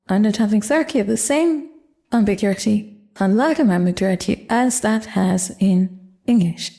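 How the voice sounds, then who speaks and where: An older woman explaining grammar in a measured, careful lecture. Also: mid-range voice, dark tone. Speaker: Japanese language teacher. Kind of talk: grammar lesson narration.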